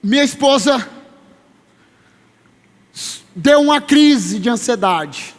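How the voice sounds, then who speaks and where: A man in his thirties preaching a sermon as pastor, emphatic, slowing down to stress his words and calling listeners brother. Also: very high voice, expressive. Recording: long reverb of a large hall.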